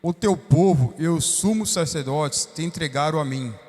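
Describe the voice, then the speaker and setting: A man's voice: on the high side, normal speed, a little mellow, close to an everyday voice. A Brazilian man reading the part of Pilate, a stern, questioning governor, in a liturgical Passion reading. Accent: Brazilian Portuguese. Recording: long church reverb.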